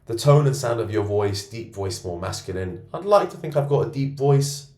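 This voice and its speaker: A man coaching men on self-improvement, rating himself out loud in a boastful, self-assured monologue from a co-working space. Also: mid-range voice, lively intonation, moderate pace. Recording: roomy echo.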